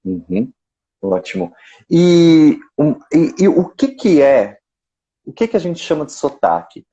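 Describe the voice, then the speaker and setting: A Brazilian man with a Brazilian accent hosting a live-stream interview, an English teacher asking deliberately provocative questions in a playful way. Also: a little high, sing-song, creaky, mellow, lo-fi sound.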